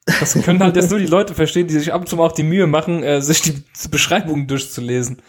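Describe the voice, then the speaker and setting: Chatty German podcast host, slightly high voice. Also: male voice, steady tone, fast, breathy edge. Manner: reads listener mail aloud, chatty and teasing. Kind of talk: casual podcast chat. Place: home.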